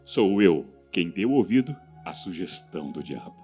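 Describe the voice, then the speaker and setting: A man with a Brazilian Portuguese accent preaching a live church sermon, moving from loud, fervent exhortation to hushed, earnest passages. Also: low-pitched, big pitch swings, normal speed, slightly rough, faint music behind. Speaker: pastor. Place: church service.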